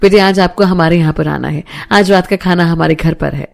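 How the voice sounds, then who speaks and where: A woman's voice: fairly low pitch, fairly quick, vocal fry, faint music behind. A woman voicing a courteous middle-aged father who invites guests in a formal, polite way.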